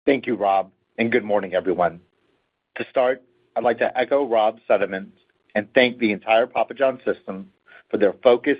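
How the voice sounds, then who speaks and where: Man reading finance results, muffled line. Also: medium pitch. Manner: steady formal reading. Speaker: finance executive. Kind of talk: scripted earnings call remarks. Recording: muffled conference call audio.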